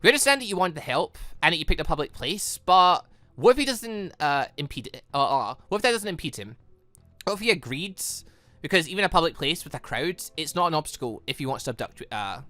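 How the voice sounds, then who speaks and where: A man's voice: on the high side, bright, forceful tone, dry recording. A man reading the part of a protective, exasperated friend from a visual novel, scolding and insistent.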